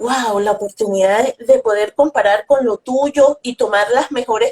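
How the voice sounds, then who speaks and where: At a moderate pace, a woman with a high voice speaks with ordinary pitch variation in a dry, close sound with no echo. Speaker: coach and interviewer. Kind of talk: interview conversation.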